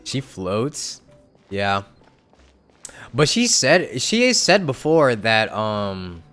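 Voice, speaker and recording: A man's voice: medium pitch, sing-song, extremely slow, fairly bright tone. A man chatting casually on a livestream as he plays a video game. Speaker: game streamer. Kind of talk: casual livestream chat while playing. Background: game music.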